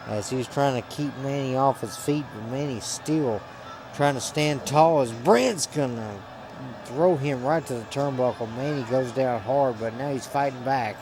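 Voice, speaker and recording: Male play-by-play caller, medium pitch, game wrestling commentary, builds excitement on big spots. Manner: excitable, rises to shouting on big moves.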